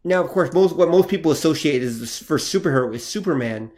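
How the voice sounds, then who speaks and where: A man's voice: a little high, lively intonation, quick pace, a little mellow. A man co-hosting a podcast, explaining at length in a casual, thoughtful way with plenty of fillers. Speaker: podcast co-host. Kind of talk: casual chat about comic history.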